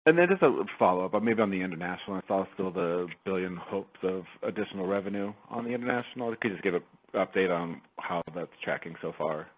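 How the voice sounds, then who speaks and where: A man with a very low voice asks questions as a financial analyst. He speaks in conference call style, heard through a thin telephone connection. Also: fast talker. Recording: narrow tinny phone line.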